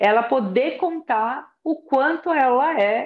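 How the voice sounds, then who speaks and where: Her voice sits high in pitch, and the woman's intonation is lively. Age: 60s. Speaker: mother of a daughter with a rare syndrome. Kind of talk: live interview. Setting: YouTube live video call.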